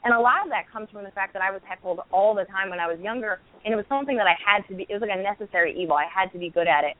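A woman in her thirties, a stand-up comedian, telling stories candidly with quick restarts in a casual interview. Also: medium pitch. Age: 30s. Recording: tinny phone-like line with faint noise.

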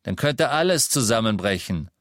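A man voicing a cool, matter-of-fact dark wizard. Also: fairly low pitch, expressive, moderate pace, no echo, clean studio sound.

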